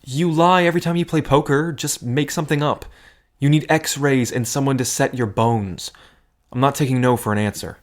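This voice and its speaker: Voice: medium pitch, steady tone, moderate pace, natural voice. A performer acting a protective, stubborn friend in an audio drama, speaking firmly with dry sarcasm and care. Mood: firm, caring. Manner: firm, sarcastic, caring.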